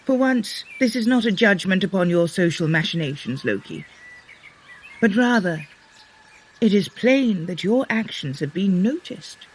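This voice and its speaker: A woman playing a wise, grave, gracious goddess in a scripted audio drama, speaking in measured, solemn formal language. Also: medium pitch, expressive, breathy edge.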